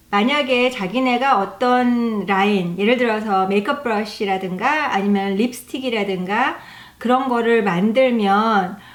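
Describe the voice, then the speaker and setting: The speech moves at a fairly slow pace with very even loudness and ordinary pitch variation, and audible room echo surrounds it. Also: woman, fairly high pitch for a woman. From South Korea. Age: 40s. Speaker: beauty YouTuber. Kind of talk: casual chat. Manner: conversational, chatty.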